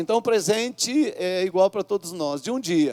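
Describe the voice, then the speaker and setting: With music in the background and a dry, close sound with no echo, a man with a high pitch speaks at a fairly slow pace using lively intonation. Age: 60s. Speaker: pastor. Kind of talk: sermon. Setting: church. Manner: interactive, call-and-response with congregation.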